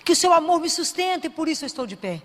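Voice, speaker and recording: High-voiced woman preaching in a reverberant hall. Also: big pitch swings, racing. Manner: asks the audience questions and answers them; drops to a soft low voice for quoted prayers. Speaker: Christian preacher. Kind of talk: sermon.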